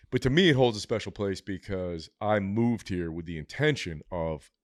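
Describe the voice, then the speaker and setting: In a very deep, low voice with a New York accent, a man talks with ordinary pitch variation on a very clean recording with a silent background. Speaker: fitness coach and podcast guest. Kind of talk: casual chat.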